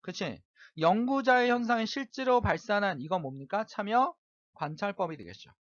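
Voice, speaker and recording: A male high school social studies teacher giving an online lecture, keeps asking the class whether they follow. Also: lively intonation, normal speed, no room sound, highs cut off. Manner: keeps asking "right?" to check understanding.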